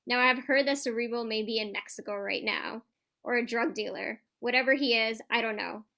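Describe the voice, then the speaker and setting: A woman's voice: fairly high pitch, a little fast, creaky, sharp tone. A woman reading the part of a boastful, trash-talking champion pro wrestler in a staged promo reading, stumbling now and then over the script. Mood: dismissive.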